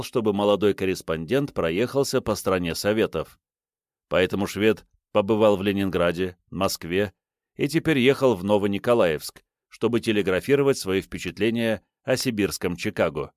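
A man narrating an audiobook novel in a measured, even storytelling manner on a close studio mic. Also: on the low side, dry recording. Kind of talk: scripted narration.

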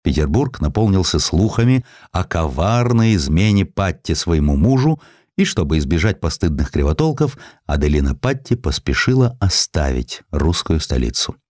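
A man narrates a historical tale in an expressive, theatrical storytelling manner. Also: low voice, normal speed, no room sound, clean studio sound. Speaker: audiobook narrator. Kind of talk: dramatic scripted narration of historical sketches.

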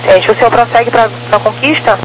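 A man's voice: very high voice, fairly quick, a bit bright. A Brazilian man working as an air traffic controller, giving procedural instructions in clipped phraseology over crackly, military-style radio. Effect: crackly radio transmission. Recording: crackly radio with faint hum.

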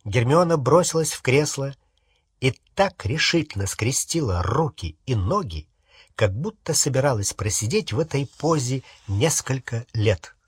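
Slow, husky male audiobook reader. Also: mid-range voice, no room sound, studio quality. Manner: unhurried, expressive reading. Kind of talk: audiobook narration.

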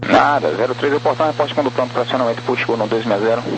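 A man's voice: mid-range voice, fast talker. A Brazilian man giving clipped, procedural instructions as an air traffic controller over radio. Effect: aviation radio.

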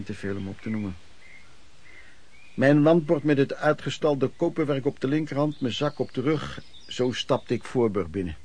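An actor playing a hardworking itinerant peddler, looking back on his life in colloquial, reflective radio drama narration with a husky voice. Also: fairly high pitch. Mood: proud, content.

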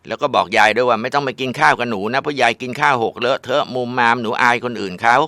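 A man voicing a spoiled, rude teenage girl who whines and yells insults. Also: mid-range voice, fast, no room sound, clean studio sound, voice pushed up. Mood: whiny demanding. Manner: whiny, shouting insults.

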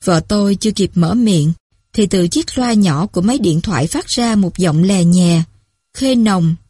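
A woman narrating a story in a measured, even reading voice. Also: medium pitch, breathy edge, dry recording, studio quality.

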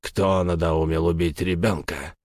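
A man voicing a stern, vengeful male ghost who interrogates in a slow, menacing tone. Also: sits low, fairly even intonation, a little mellow, no echo, studio quality, voice pushed down. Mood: interrogating.

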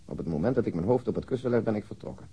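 A stolid know-it-all cop in a radio drama, soft mellow tone, bit husky. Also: male voice, lowish voice, expressive, very fast. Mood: matter-of-fact. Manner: unflappable, precise, humorless. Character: stolid, pedantic male police detective with encyclopedic memory. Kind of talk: Dutch radio crime drama acting.

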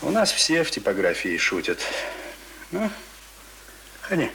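An actor playing a talkative, pompous middle-aged print worker in a Russian radio play, boasting in folksy colloquial speech. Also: male voice, mid-range voice, wildly swooping pitch, unhurried, gravelly, pushed and bright, a little hiss or hum, full character voice. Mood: smug lecturing. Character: talkative middle-aged male print worker, self-important former drinker. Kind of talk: Russian radio drama acting.

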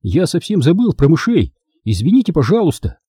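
A man's voice: a little high, wildly swooping pitch, a little fast, mellow, breathy edge, no echo, clean studio sound, pitched above the performer's own voice, heavily acted. A male audiobook reader voicing an eager schoolboy who pleads and protests. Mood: upset.

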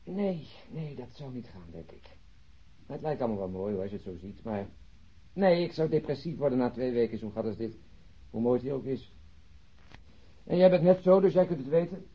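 A man's voice: medium pitch, expressive, brisk, long pauses, husky. An actor playing a jovial middle-aged male detective in a naturalistic radio play, bantering and ironic. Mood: musing. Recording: dull lo-fi radio recording.

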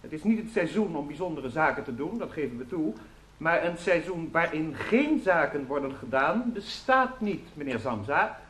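High-voiced, pompous chief clerk. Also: male voice, big pitch swings, normal speed, fairly bright tone, slight background noise. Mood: stern, reproachful. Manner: formal, pompous, scolding. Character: stern, officious male chief clerk, self-important. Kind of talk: radio drama acting. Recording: roomy, echoing sound.

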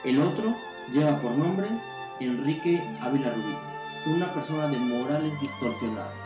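An emphatic narrator introduces a melodramatic radio serial in announcer style. The voice carries an echoey room tone. Violin music plays clearly behind it. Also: medium pitch, moderate pace. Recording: roomy echo with violin music.

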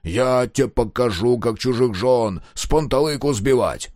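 A man voicing a gruff, hot-tempered peasant who barks out his words while hunting for his runaway wife. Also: medium pitch, unhurried, darkish tone, dry recording, studio quality, lightly acted. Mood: angry. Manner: gruff, barking.

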